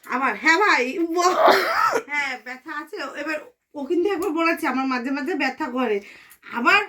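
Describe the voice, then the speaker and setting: A woman's voice: sits high, fairly quick, pushed and bright. A woman vlogger chatting casually at home, giggly and trying to hold back her laughter. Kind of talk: casual vlog chat.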